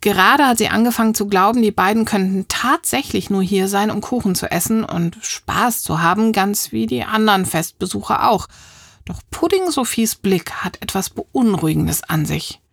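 A woman narrating a children's audiobook with a lively, expressive reading. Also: medium pitch, moderate pace, gravelly, no echo, clean studio sound. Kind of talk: scripted storybook narration.

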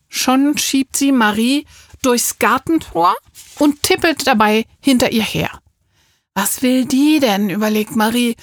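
A woman narrates a children's storybook in a slow, unhurried way. Her voice sits fairly high, and the close microphone leaves it dry with no room sound. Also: dry recording. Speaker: audiobook reader. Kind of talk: scripted narration.

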